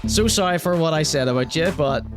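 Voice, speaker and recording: A man's voice: a little high, lively intonation, brisk, music in the background. A young man with a Northern Irish accent hosting a live stream, reading chat comments and giving blunt, wry opinions. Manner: wry, blunt, swears casually, laughs at his own jokes. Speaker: show host.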